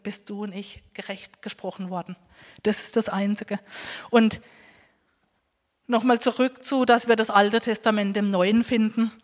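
A woman giving an earnest sermon, reading scripture aloud slowly and exhorting her listeners. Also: medium pitch. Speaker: preacher. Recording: long hall reverb.

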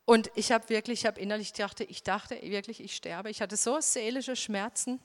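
A woman's voice: medium pitch, steady tone, normal speed. Earnest preaching woman. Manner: earnest, emphatic, many "ja" fillers. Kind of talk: sermon with personal testimony. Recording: long hall reverb.

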